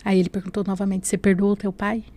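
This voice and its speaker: A woman's voice: mid-range voice, level tone, fast talker, warm tone. A woman from Brazil telling her personal faith testimony as a podcast guest, earnest and emotional, often adding "né?". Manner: earnest, often adds "né?" and "assim".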